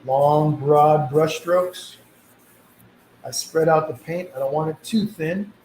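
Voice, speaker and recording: A man teaches a casual live painting lesson, guiding viewers in an easygoing, reassuring way. His fairly high voice is slow and darkish, with slight sniffles from a mild cold. The sound is quite roomy, with a little background noise.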